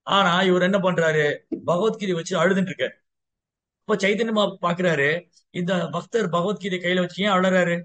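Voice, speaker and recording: A man's voice: high-pitched, moderate pace, fairly bright tone. A male Vaishnava preacher telling a devotional story to a gathering, acting out dialogue and repeating phrases. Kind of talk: sermon storytelling to a congregation.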